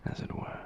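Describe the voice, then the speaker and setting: Man playing a deep, whispery, slow seductive vampire. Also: full character voice. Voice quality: breathy, half-whispered. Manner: formal, silky, deliberate phrasing. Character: suave seductive male vampire, indulgent and flirtatious. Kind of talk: intimate roleplay audio acting.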